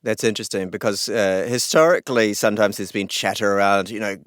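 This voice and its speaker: A man's voice: on the low side, quick pace, a bit bright, no echo. Curious male podcast host, dry sound. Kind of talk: conversational explainer.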